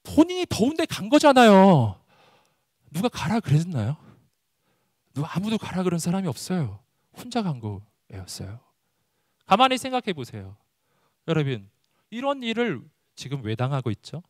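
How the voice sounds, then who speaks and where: A man's voice: huge pitch swings, moderate pace, pauses often, no echo, clean studio sound. A middle-aged man preaching a sermon to a young adult congregation, emphatic and full of rhetorical questions, sometimes acting out quoted prayers. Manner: acts out quoted prayers in a high voice. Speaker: pastor. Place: church hall.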